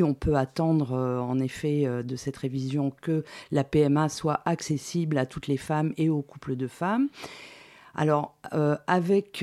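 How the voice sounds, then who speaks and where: A woman sociologist answering in a recorded interview, pausing often with filled hesitations. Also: deep voice, mellow. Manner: hesitant, many filled pauses. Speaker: sociologist guest.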